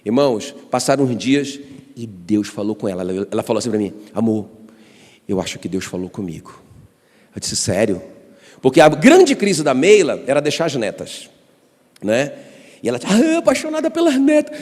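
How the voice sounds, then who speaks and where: A man from Brazil, a pastor preaching a sermon with personal stories and calls for the congregation to respond. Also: medium pitch. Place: church hall. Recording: long church hall reverb.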